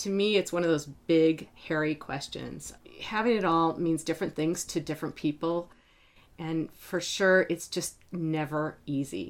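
This is a woman with an ordinary speaking voice and a fairly low pitch. She talks at a fairly slow pace with fairly even intonation. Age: 50s. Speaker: business consultant. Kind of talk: casual chat. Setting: remote call.

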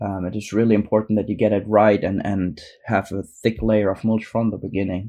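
Fairly low-pitched male voice in a German accent, dark and mellow in tone, with fairly even intonation at a moderate pace against a quiet background. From Germany, mountain region. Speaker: homesteader and YouTuber. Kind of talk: interview. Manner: hesitant with repetitions.

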